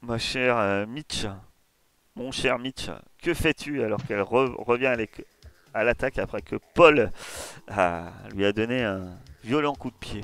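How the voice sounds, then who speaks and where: A man acting as game master, narrating a tabletop horror game in slow, searching, descriptive scene-setting. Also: medium pitch, fairly bright tone, dry recording.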